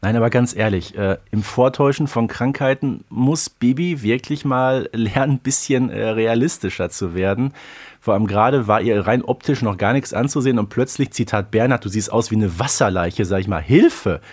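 A man in his thirties co-hosting a podcast in casual chat, measured and wry. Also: medium pitch, darkish tone. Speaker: podcast co-host.

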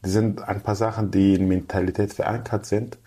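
A man's voice: lowish voice, flat delivery, fairly quick, mellow. A young man from Syria, chatting as an interview guest in fluent but German, with many restarts. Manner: fluent but non-native, restarts, acts out quoted people. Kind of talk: casual interview chat.

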